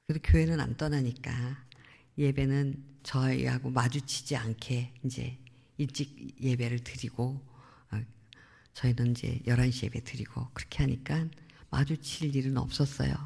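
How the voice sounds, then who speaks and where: Husky middle-aged woman missionary, church reverb. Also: low voice. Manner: earnest, reflective storytelling with soft trailing phrases. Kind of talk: personal testimony at a prayer meeting. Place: church sanctuary. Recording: long church hall reverb.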